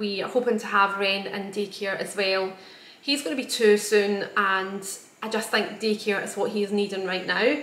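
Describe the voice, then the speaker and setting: A woman with a Scottish accent at a moderate pace, with audible room echo. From Scotland. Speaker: vlogger. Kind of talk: casual Q&A vlog monologue. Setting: at home. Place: home room.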